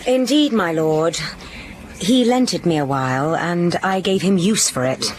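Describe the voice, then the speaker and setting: An actress playing a witty, sharp-tongued young noblewoman in a Shakespeare radio play, speaking in a crisp, tart way. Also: lowish voice, unhurried, a little hiss or hum, lightly acted.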